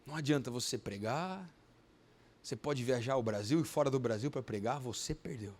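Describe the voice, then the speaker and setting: A man voicing the devil as a cold, accusing male spirit who repeats taunts in a low, hushed tone. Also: expressive, a little fast, close to an everyday voice. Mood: taunting.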